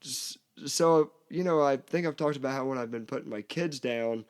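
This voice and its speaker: A man's voice: mid-range voice, clean tone. A man in his thirties, hosting a podcast in a loose, rambling way. He pokes fun at himself and laughs easily between his tangents. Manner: rambling storyteller, self-mocking, quick to laugh. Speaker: podcast host. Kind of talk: casual chat.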